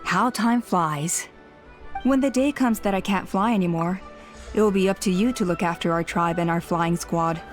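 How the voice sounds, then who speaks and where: A woman playing a gracious, modest elderly tribal elder in an anime game dub, speaking in a measured, gentle way. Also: on the low side, lightly acted. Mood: wistful. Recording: game music under voice.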